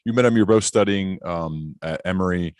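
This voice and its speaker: A man hosting a podcast interview in a conversational style, feeling his way through questions in a halting manner. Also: sits low, darkish tone, a little hiss or hum.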